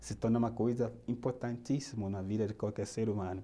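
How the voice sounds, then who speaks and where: The man's voice has a dark, mellow tone. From Nigeria. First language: Yoruba (speaking Portuguese). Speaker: cultural educator. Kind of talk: life-story interview; interview answer. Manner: halting. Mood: warm, smiling, animated. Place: studio.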